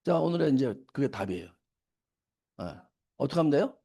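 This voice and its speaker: A man's voice: mid-range voice, very animated, fairly quick, dark tone, husky. A middle-aged man giving a seminar talk to an audience, often asking them questions and then answering them himself. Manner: acts out quoted scolding lines. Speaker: business seminar speaker. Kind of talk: lecture to an audience.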